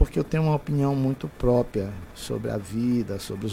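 The man's tone is dark and mellow. He keeps a moderate pace, and his pitch varies in an ordinary way. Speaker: singer-songwriter. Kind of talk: radio interview. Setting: studio.

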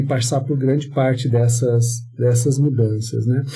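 At a fairly slow pace, a man speaks in a somewhat breathy, dark, mellow tone amid audible room echo. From Goiás, Brazil (Goiânia). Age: 50s. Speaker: sales director, former tech account manager. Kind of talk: casual interview chat.

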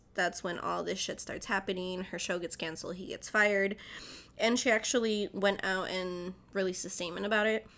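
A woman with a bright, sharp tone talks at a medium pitch and a fairly quick pace. The recording is very clean, with a silent background. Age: 20s. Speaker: pop culture podcast host. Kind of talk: casual solo podcast chat. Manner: animated.

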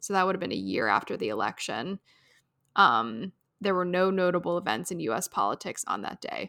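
A woman speaks fairly quickly at a fairly low pitch, her bright, sharp tone showing vocal fry and very wide pitch swings. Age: 20s. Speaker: podcast co-host. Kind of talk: reading aloud; casual chat.

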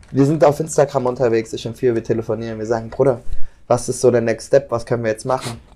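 At a very fast pace, a man speaks with a dark, mellow tone, a medium pitch and fairly even intonation. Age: 30s. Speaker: street football content creator. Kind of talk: casual chat.

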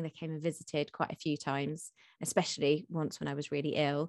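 With a British accent, a woman talks at a fairly quick pace in a dry, close sound with no echo and a quiet background. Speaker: author and charity founder. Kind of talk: casual interview chat.

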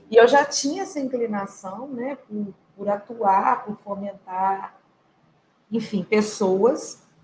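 Her voice is somewhat breathy, with a fairly high pitch and ordinary pitch variation. The woman speaks at a very slow pace with big swings in loudness. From Brazil, Juiz de Fora (Minas Gerais). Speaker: organizational psychologist. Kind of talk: podcast interview. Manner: animated.

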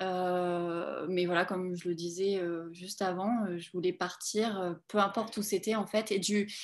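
In a very clean recording with a silent background, a woman speaks at a medium pitch and a fairly slow pace in a monotone, flat way. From Normandy, France. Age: 20s. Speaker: small business owner, former au pair. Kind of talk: casual interview.

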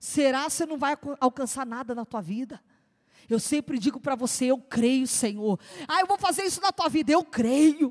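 With a Brazilian accent, a woman talks in a high voice, her tone animated and passionate and her intonation lively. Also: dry, close sound with no echo. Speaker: preacher. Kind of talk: fervent sermon, preaching with scripture and exhortation. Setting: church. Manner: animated, emphatic, passionate preacher's delivery; repetitive, rhetorical, exclaiming 'Aleluia'.

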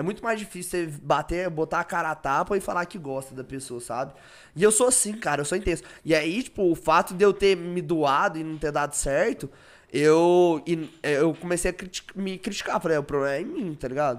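With a Minas Gerais accent, a man talks in a high pitch with ordinary pitch variation. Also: moderate pace. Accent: mineiro. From Minas Gerais, Araxá. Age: 20s. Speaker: reality show contestant and influencer. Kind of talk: casual chat.

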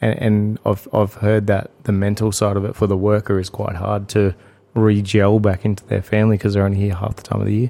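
Speaking at a fairly quick pace in an Australian accent, a man has a dark, mellow tone, a fairly low pitch and monotone, flat intonation. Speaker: podcast co-host. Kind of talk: casual chat. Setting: home shed studio.

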